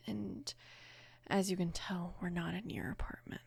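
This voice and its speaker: A woman of about twenty playing a caring, apologetic mafia boss's daughter in an intimate ASMR roleplay, soft-spoken and hesitant, with a breathy, creaky voice. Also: fairly low pitch, steady tone, unhurried, no echo, heavily acted. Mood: gentle, reassuring. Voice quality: breathy, whispery with heavy creak.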